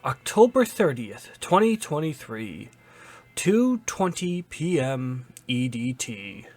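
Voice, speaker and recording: A man's voice: mid-range voice, very animated, slow, darkish tone. A man reading a written article aloud as a host, in an exaggerated, mock-serious theatrical delivery.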